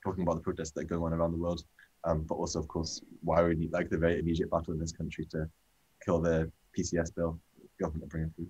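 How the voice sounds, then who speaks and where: A young man, a student and protest organiser, answering as a guest with quick hesitant speech and fillers. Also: sits low, monotone, a little mellow, husky. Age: young adult. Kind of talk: interview answers. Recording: dull lo-fi sound.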